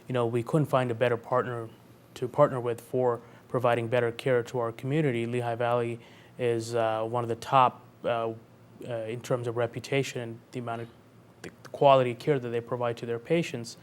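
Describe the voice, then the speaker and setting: A man in his thirties from Pakistan, raised in North Carolina, who explains medical topics calmly and clearly as an interview guest. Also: mid-range voice. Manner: calm, measured, explains clearly with analogies. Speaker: cardiologist guest.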